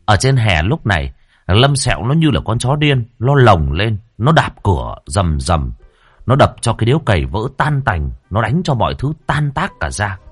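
A man narrating a ghost story in a vivid, lively way. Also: fairly low pitch, moderate pace, slightly rough, dry recording. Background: faint background music.

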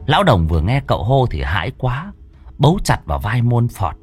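A man narrating a ghost story in a dramatic, expressive way. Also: medium pitch, a little fast, faint music behind.

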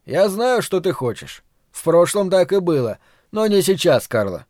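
A man voicing a quiet, firm father who speaks calmly and evenly in an audiobook. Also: no room sound, clean studio sound. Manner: calm, low, measured.

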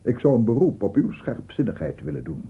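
A man's voice: medium pitch, very animated, fairly quick, vocal fry, breathy edge, exaggerated voice. An actor playing an aggrieved, unstable scientist in his sixties, pedantic and insistent, in a radio play monologue. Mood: pedantic, defensive. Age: 60s. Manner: pedantic, insistent, repeats himself. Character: aggrieved, unstable 67-year-old bachelor scientist, self-justifying and obsessive. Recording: muffled, phone-like old radio recording.

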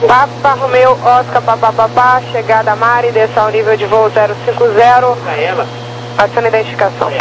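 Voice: mid-range voice, flat delivery, a little fast. An air traffic controller with a Brazilian accent giving terse, clipped procedural instructions over aviation radio. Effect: aviation radio transmission.

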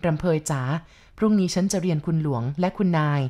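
A woman's voice: lowish voice, animated, quick pace, warm tone, close to an everyday voice. A woman voicing an older man who pleads earnestly and sorrowfully with the love he waited years for. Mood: tender. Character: lovelorn man, older, yearning for lost love.

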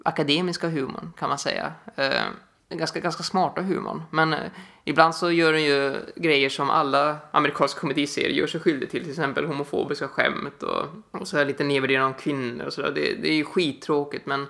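A young man co-hosts a casual podcast from a living room. His voice sits a little high and gravelly, with a bright edge. He talks in a loose, chatty way, full of fillers and restarts. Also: steady tone, hardly any pauses. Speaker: podcast co-host. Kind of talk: casual chat.

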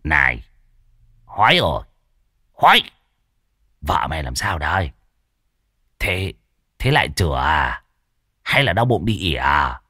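A man's voice: high-pitched, sing-song, unhurried, pushed and bright, dry recording, clean studio sound, pitched above the performer's own voice, exaggerated voice. A man voicing a crude, boastful old male shaman who mocks and cackles. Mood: mocking.

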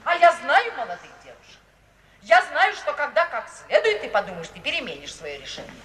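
A woman's voice: high-pitched, very animated, fairly quick, a bit bright. An actress playing a worldly middle-aged mother in an old radio play, with an emphatic, pleading theatrical delivery. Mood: coaxing, persuasive. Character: worldly middle-aged mother, brothel owner, coaxing and defensive. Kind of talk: 1950s Russian radio theatre acting. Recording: echoey, distant 1950s radio play with hiss.

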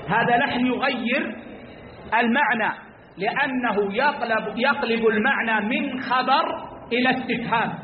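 A man teaching a religious lesson, speaking slowly and repeating key phrases for emphasis. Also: very high-pitched, slight background noise. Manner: addresses listeners as brothers; slow and deliberate, drawing out words. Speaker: Islamic scholar teaching a class. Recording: echoey hall over tinny lo-fi line.

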